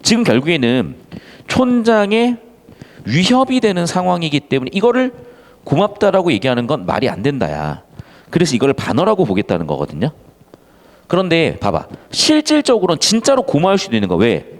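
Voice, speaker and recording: An animated male tutor with a slightly high voice explains a text to students in an exam-prep lecture. His pitch leaps about constantly, and he switches between casual and polite speech. The room gives his voice a long, trailing reverb. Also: brisk. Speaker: Korean literature tutor.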